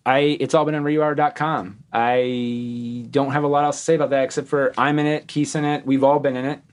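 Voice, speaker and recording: A man's voice: medium pitch, little pitch movement, brisk. Rambling male podcast host. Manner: rambling, self-correcting, jokey. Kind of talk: casual podcast chat and sponsor reads.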